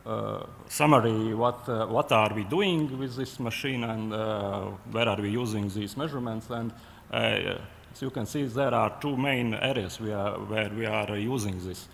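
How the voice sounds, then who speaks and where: A man with a Latvian accent giving a technical conference presentation, halting with many fillers and restarts. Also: on the low side, vocal fry, a little hiss or hum. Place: large conference hall. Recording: long hall reverb, faint ambience.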